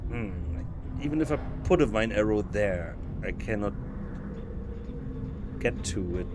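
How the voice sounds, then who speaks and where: Slow, musing male game streamer. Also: fairly low pitch, expressive, noisy background. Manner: musing to himself, chatting with viewers, stumbling restarts. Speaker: podcast host streaming a game. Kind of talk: casual live gameplay commentary.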